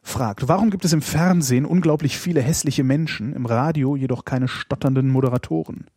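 Male podcast host. Raspy, dry studio sound, informal deadpan chat. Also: medium pitch, fairly quick, no room sound. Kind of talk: casual chat, answering listener questions.

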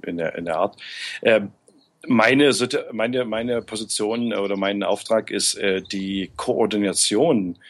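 Hesitant man full of fillers. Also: lowish voice. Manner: hesitant, many fillers and restarts. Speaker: aid worker being interviewed. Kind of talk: casual interview.

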